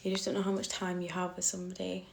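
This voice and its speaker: A woman's voice: fairly low pitch, completely flat delivery, fast talker, vocal fry, background noise. Blunt Cumbrian woman live-streaming. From Cumbria, England. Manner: blunt, dismissive toward trolls, laughs easily. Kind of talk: casual live-stream chat answering comments. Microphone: phone.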